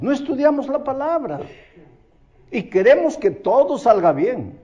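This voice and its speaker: A male pastor preaching a sermon, animated, asking rhetorical questions and telling stories. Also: sits high, lo-fi sound.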